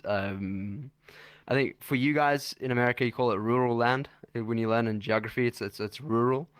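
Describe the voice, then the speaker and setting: A man's voice: on the low side, smooth, no echo. A man with a South African accent talking casually and slangily as a guest in a video-call interview, rambling with restarts. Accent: South African English.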